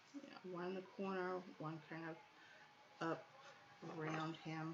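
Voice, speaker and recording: A woman's very slow, fairly low-pitched delivery in an American accent, monotone and flat in intonation, with big swings in loudness. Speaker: mixed media artist. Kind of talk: live stream tutorial. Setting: live stream. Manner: casual, thinking aloud.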